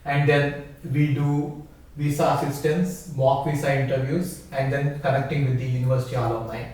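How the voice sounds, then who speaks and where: Echoey, distant Indian man pitching services. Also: a little mellow. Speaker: study-abroad consultancy promoter. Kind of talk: informal promotional pitch to students. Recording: very echoey room, distant microphone.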